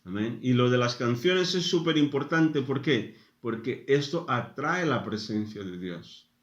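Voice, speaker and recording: A man preaching a sermon, speaking in short phrases with frequent pauses. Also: medium pitch, expressive, roomy sound, lo-fi sound. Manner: slow, deliberate, pausing after short phrases. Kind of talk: sermon teaching.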